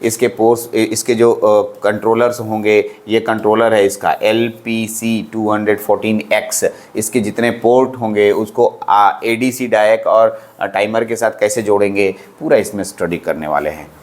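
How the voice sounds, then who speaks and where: A man in his thirties with a fairly low voice, giving a polytechnic lecture on microcontrollers. He talks in a loose, chatty way, repeats himself for emphasis and keeps checking in with "theek hai". His tone stays reassuring. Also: steady tone, moderate pace, few pauses. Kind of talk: classroom lecture in casual Hindi with English terms.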